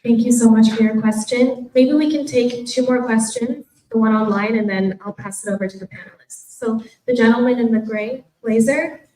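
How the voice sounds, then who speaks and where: A woman's voice: on the high side, fairly even intonation, normal speed, hardly any pauses, warm tone. A woman moderating a conference session, politely thanking speakers and managing audience questions. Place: indoor conference room. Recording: echoey conference room.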